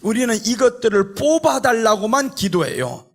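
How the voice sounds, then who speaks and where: High-pitched man preaching emphatically. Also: animated, normal speed, fairly bright tone. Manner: emphatic, repetitive, exhorting with rhetorical questions. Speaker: pastor preaching at a prayer retreat. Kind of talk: impassioned conversational sermon.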